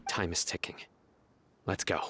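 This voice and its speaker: An actor playing a stern young enforcer of justice in a video game, grave, measured and formal. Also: male voice, sharp tone, dry recording. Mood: resolute.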